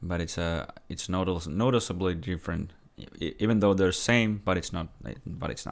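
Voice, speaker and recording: With a Finnish accent, a man speaks at a fairly quick pace in a very deep, low voice, his pitch varying in an ordinary way while his loudness swings widely. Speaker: podcast host. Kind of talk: casual chat.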